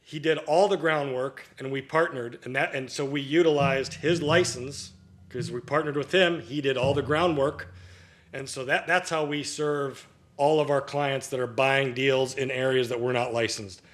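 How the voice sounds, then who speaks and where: A man's voice: medium pitch, steady tone, moderate pace. A man as a podcast guest, a real estate broker, giving a long-winded answer full of stories and restarts. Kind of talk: casual podcast interview.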